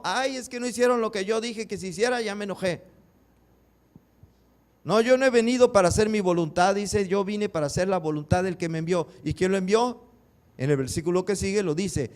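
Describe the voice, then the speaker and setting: A man's voice: high voice, darkish tone. A man pastor preaching a sermon in a church, asking the congregation rhetorical questions.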